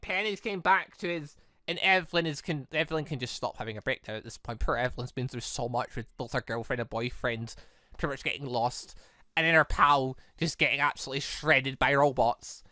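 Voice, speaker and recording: Male game streamer, crisp and bright, rambling excitably through playthrough commentary. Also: mid-range voice, fairly quick, dry recording, studio quality. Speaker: gaming video host. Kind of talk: playthrough commentary of a visual novel.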